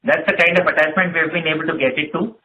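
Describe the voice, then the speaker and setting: A man giving measured, explanatory answers as a company executive on an earnings call. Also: fairly high pitch, steady tone. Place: conference call. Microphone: telephone. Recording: tinny phone line with noise and clicks.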